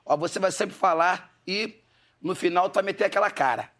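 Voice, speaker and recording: High-voiced man, playful storyteller. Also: normal speed, fairly bright tone. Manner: playful, imitates percussion sounds and voices. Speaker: guest, musician. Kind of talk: casual storytelling chat.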